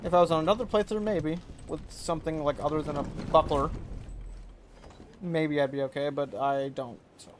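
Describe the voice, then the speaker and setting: A man's voice: a little high, normal speed, a little hiss or hum. A man in his twenties casually talking to himself while streaming a game, offhand and mumbly. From United States. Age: 20s. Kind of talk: casual gameplay commentary. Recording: game music underneath.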